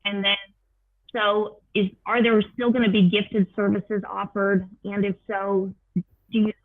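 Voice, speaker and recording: A man's voice: high voice, level tone. Man's voice cutting in and out, tinny. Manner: reads questions haltingly in broken fragments. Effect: voice cutting in and out on a bad connection. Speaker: moderator reading out parent questions. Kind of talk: online community meeting Q&A. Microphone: video call. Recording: tinny phone-like call line.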